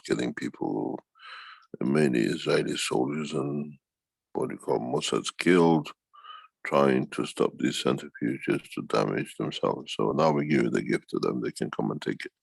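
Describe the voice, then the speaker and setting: A man giving an unscripted answer in a meeting, halting yet emphatic, often repeating phrases for weight. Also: a bass voice, vocal fry, slightly rough, dry recording. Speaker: foundation speaker answering questions. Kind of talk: unscripted talk, answering a question in an online meeting.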